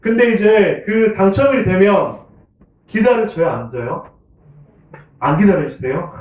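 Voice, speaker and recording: Pastor preaching in an echoey church. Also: male voice, a little high, darkish tone. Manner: conversational, keeps asking the congregation questions; chuckles often. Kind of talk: sermon. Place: church sanctuary. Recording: echoey room, from a distant mic, dull sound.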